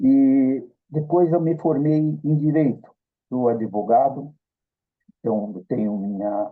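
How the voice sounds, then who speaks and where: Talking at a very slow pace, a man uses lively intonation. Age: 70s. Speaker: lecturer, economist and lawyer. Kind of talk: lecture. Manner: formal.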